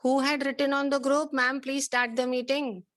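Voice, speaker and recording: South asian accented lady teacher on an online class, high voice, dry sound, strict and insistent with the kids. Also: little pitch movement, moderate pace, a bit bright, no room sound. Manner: stern, insistent questioning. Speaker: schoolteacher. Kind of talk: online class talk to pupils.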